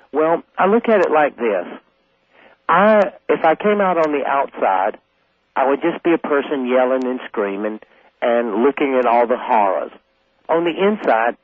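A man in his forties from South Carolina, a radio guest talking in a calm, earnest, long-winded way. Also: medium pitch, no echo. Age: 40s. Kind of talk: call-in radio conversation. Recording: tinny phone line.

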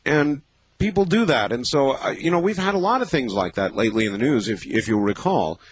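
A man of fifty hosting a late-night call-in radio show, talking in a thoughtful, measured way with many pauses and fillers. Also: medium pitch, sing-song, slightly rough. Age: 50s. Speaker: radio talk show host.

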